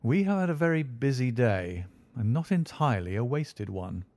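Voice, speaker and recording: A man reading aloud and voicing a calm, clever detective who speaks in a measured, confident way. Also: medium pitch, no echo. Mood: composed. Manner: measured, deliberate, composed.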